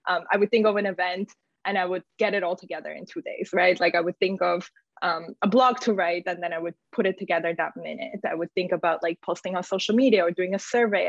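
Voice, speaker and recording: A woman giving informal, rambling conversational answers as an interview guest, often dropping in "like". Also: fairly low pitch. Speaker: guest, community founder. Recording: echoey room, slightly dull audio.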